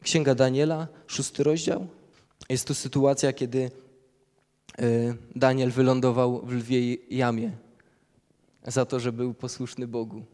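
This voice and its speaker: A man's voice: medium pitch, fairly even intonation, a little slow, mellow. A man preaching a sermon, reading Bible passages aloud and explaining them verse by verse. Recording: long hall reverb.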